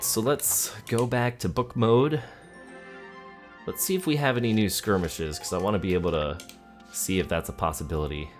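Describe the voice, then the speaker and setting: A man doing game commentary for a let's play, reading in-game text and talking through his choices. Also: deep voice. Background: game music.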